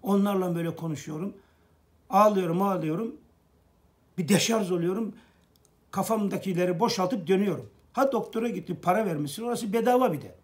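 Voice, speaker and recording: A man's voice: sits high, quick pace, darkish tone. A middle-aged man gives an earnest, preachy fan monologue to camera, repeating phrases for emphasis. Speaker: football fan vlogger.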